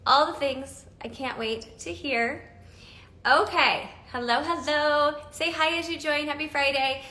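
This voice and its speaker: A woman's voice: high-pitched, unhurried, bright, forceful tone, roomy sound. A woman in her forties hosting a casual live stream, chatty and bubbly, laughing often as she talks through makeup. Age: 40s.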